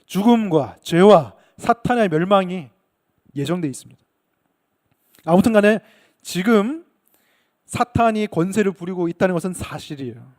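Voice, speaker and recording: High-voiced Korean pastor preaching. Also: male voice, lively intonation, normal speed, pauses often. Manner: emphatic preaching, acts out shouted quotes. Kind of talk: sermon.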